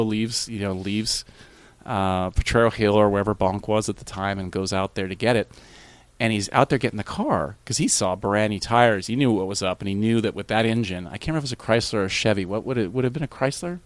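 A man's voice: on the low side, no echo. A man telling a long anecdote in casual conversation, with many restarts. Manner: animated, rambling with restarts. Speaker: guest. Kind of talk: casual storytelling.

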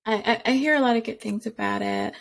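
A woman guest chats casually on a podcast, rambling and circling back with lots of "like" and quick restarts. Her fairly high voice carries a gravelly, vocal-fry texture, and she laughs often as she talks. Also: a little hiss or hum. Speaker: podcast guest, comics creator.

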